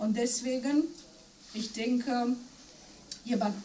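A woman speaks very slowly in a high voice. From North Macedonia. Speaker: participant in intercultural discussion. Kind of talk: personal testimony in group discussion.

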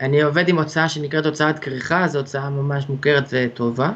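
A man talks at a moderate pace in a normal speaking voice. His pitch sits fairly high. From Israel, Ramat HaSharon. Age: 30s. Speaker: skateboarder, survival guide and author. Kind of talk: casual interview chat.

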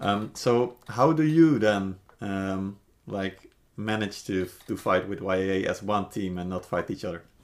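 Here is a man with an unremarkable speaking voice and fairly low pitch. He goes at a fairly slow pace with ordinary pitch variation. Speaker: tournament organizer and podcast host. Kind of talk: casual podcast conversation.

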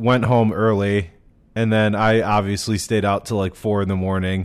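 It is a normal speaking voice at a fairly slow pace. The recording is very clean with a silent background. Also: man. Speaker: podcast co-host. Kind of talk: casual chat.

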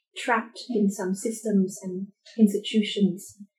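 Speaking at a fairly slow pace, a woman has a medium pitch and a dark, mellow tone. Her voice is somewhat breathy, with a monotone, flat intonation. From Indonesia. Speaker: arts producer. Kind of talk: casual interview.

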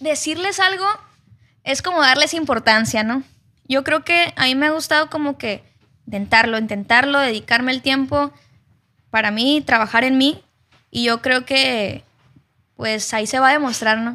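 A raised, projected voice with a bright, sharp tone and ordinary pitch variation moves at a moderate pace with long, frequent pauses, in a very clean recording with a silent background. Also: woman, high pitch for a woman. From Mazatlán, Sinaloa, Mexico. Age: 20s. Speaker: influencer / youtuber. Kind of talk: casual interview chat. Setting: studio.

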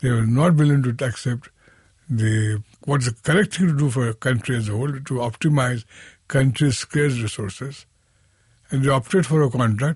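A somewhat breathy man at a moderate pace, with ordinary pitch variation. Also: medium pitch for a man. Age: 70s. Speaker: economist. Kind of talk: interview conversation. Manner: halting.

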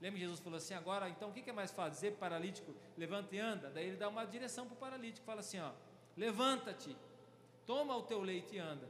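A man's high voice at a very fast pace, with audible room echo and noticeable background noise. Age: 30s. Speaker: pastor. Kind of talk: sermon.

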